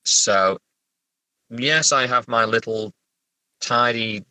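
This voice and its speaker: A man talking casually as a writer being interviewed, halting as he thinks aloud. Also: mid-range voice, sharp tone, clean tone, dry recording, poor audio. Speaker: writer, podcast guest. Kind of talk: casual interview chat about writing.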